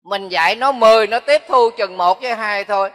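A man's voice: high-pitched, fairly quick, fairly bright tone. An older man, a Buddhist monk, giving a folksy dharma talk that repeats phrases for emphasis. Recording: long hall reverb.

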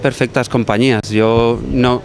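A young man from Barcelona, a chef, answering interview questions in a restaurant kitchen, talking in a relaxed, thoughtful way with restarts. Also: medium pitch, measured pace, over music. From Barcelona, Spain. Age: young adult. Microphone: handheld mic held by interviewer.

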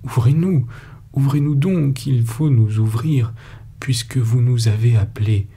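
A man's voice: mid-range voice, unhurried, slight background noise, lightly acted. A man voicing an agitated, lovesick young man who speaks vehemently, in a storybook reading. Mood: vociferous. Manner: excitable, vehement.

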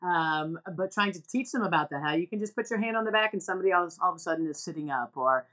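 A woman co-host chats on a webcam call from a home office lined with bookshelves. Her voice sits a little low, and she talks in a loose, conversational way. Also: animated, quick pace, fairly bright tone. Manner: conversational, chatty. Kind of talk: video call panel discussion. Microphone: video call webcam.

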